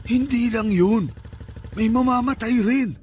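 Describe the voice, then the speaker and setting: A man's voice: extremely high pitch, unhurried, noisy background. A man playing a dismissive uncle who sells fake herbal remedies in a radio drama. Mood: uneasy. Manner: scolding, dismissive. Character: scheming uncle selling fake herbal cures. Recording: music underneath.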